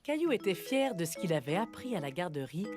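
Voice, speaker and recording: A woman narrating a children's cartoon as a gentle storyteller, in scripted narration. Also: fairly low pitch, sing-song, brisk, over music. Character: gentle storyteller narrating a small boy's day.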